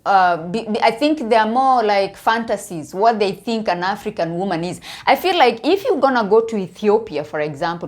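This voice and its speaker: A Kenyan woman with a Kenyan accent and a medium-pitched voice talks casually to viewers as an online video commentator. She shares her opinions haltingly, repeating words for emphasis.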